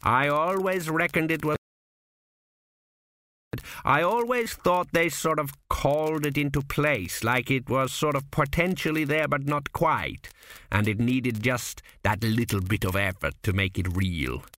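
A man voicing a cynical, crude old ancestor ghost, a former swindler, with a slow, gruff drawl in an audiobook. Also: medium pitch, a bit bright, dry recording, pitched above the performer's own voice, close to an everyday voice. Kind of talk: audiobook character voice.

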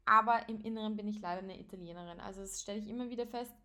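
A woman's voice: mid-range voice, racing, pushed and bright. Young Austrian woman chatting casually. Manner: informal, sprinkles English phrases into her talk. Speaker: podcast host. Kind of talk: casual solo podcast chat, unscripted.

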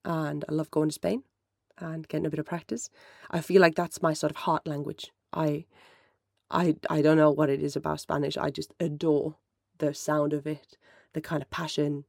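Thirties, gravelly, dry close sound, rambling solo chat. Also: mid-range voice, flat delivery, normal speed, no room sound. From Finland. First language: Finnish. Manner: mellow, rambling, self-correcting. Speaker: podcast host. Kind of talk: casual solo chat answering listener questions.

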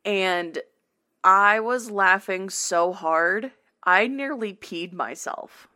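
A woman's voice: medium pitch, extremely slow, bright, forceful tone. A woman hosting a podcast, telling a rambling story with frequent laughs. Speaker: podcast host. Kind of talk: casual chat.

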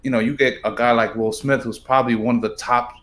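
A man's voice: medium pitch, steady tone, fast, fairly bright tone. A man co-hosting a podcast in casual chat, rambling and dropping lots of "you know"s. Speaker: podcast co-host.

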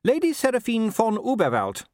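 A man voicing a high-pitched genteel society wife. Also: wildly swooping pitch, normal speed, darkish tone, no echo, clean studio sound. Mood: breezy, gossipy. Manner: chatty, gushing, upper-class turns of phrase. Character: genteel aristocratic middle-aged wife, breezy, fondly reassuring. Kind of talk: audiobook character voice.

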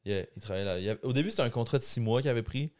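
Québécois guy on a podcast, smooth clear voice, laid back, slangy. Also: mid-range voice, racing. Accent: Québécois French. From Quebec City, Canada. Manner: relaxed, conversational, slangy. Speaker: guest musician. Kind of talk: casual podcast interview.

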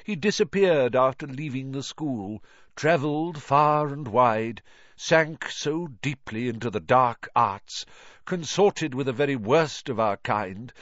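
A man voicing a gentle, wise elderly headmaster who speaks softly. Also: medium pitch, dry recording, muffled recording, voice pushed up. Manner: gentle, soft-spoken.

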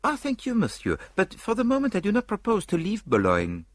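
A dainty, theatrical little detective with a French accent, read by a man. The voice sits high and swings about, fussy and precise. It is a husky sound in a dry room. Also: wildly swooping pitch, a little fast, no room sound, full character voice. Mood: animated. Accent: put-on French.

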